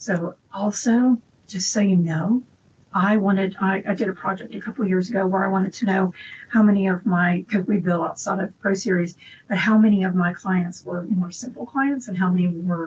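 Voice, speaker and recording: Somewhat breathy, a woman speaks with fairly even intonation over light background noise. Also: medium pitch for a woman, moderate pace. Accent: Georgia. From US South, Georgia. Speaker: accountant, tax software trainer; software trainer. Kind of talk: software tutorial webinar; tutorial. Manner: conversational, with fillers.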